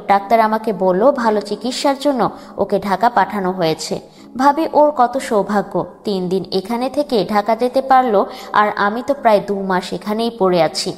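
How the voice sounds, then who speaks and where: A woman narrating a first-person wartime memoir in a grave, measured way. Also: fairly high pitch. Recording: long reverb with soft music beneath.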